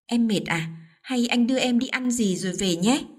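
A woman voicing a gentle young husband who speaks softly and later sobs in remorse. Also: fairly high pitch, normal speed, slightly rough. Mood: caring. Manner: gentle, then sobbing pleas.

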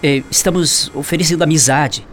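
A man's voice: fairly high pitch, steady tone, fairly quick, fairly bright tone, a little hiss or hum, natural voice. An actor playing a young male shop colleague in a radio drama, friendly and persuasive.

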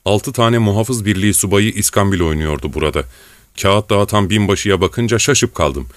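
A male audiobook narrator reads in a steady, measured way. His voice sits on the low side. The recording is dry and close. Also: dry recording. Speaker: audiobook reader.

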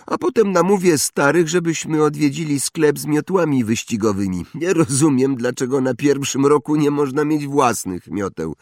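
A man's voice: medium pitch, a little mellow, no echo, clean studio sound, pitched above the performer's own voice, natural voice. A man voicing an arrogant, snobbish young wizard boy who boasts and mocks. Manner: boastful, mocking.

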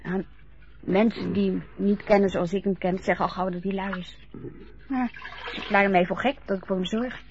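An actress playing a caring home-help woman in a radio play, chatty, lively and easily flustered. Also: mid-range voice, moderate pace, highs cut off, slight background noise, natural voice. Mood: fond.

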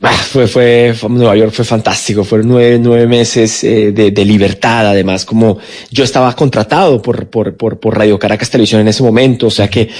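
A man from Colombia, an actor in his forties, chatting in a relaxed way on a radio interview, with many restarts. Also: fairly low pitch, moderate pace, few pauses. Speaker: guest actor. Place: radio studio.

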